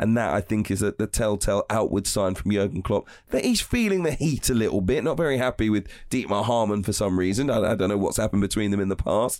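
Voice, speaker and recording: A man with a plain, everyday voice talks at a fairly quick pace and fairly low pitch, with ordinary pitch variation. The recording is very clean, with a silent background. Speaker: football podcast host. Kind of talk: casual chat.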